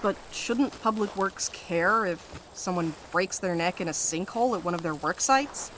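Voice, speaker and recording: A woman's voice: lowish voice, moderate pace, fairly bright tone, slight background noise, lightly acted. A woman acting a sarcastic, anxious, grumbling reluctant explorer in a naturalistic audio drama, with a dry, complaining delivery. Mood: sarcastic, irritated.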